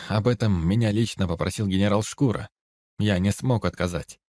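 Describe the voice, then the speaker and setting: A man voicing a polite, cooperative captured British airman, a young father, answering calmly and plainly. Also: on the low side, moderate pace, no echo, clean studio sound, lightly acted. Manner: calm, cooperative, matter-of-fact.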